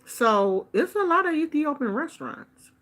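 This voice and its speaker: A middle-aged woman from the United States telling a casual story in a chatty, expressive way, acting out the people she quotes. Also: high voice, normal speed. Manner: chatty, expressive, animated quoting of others. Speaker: vlogger. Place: Bay Area.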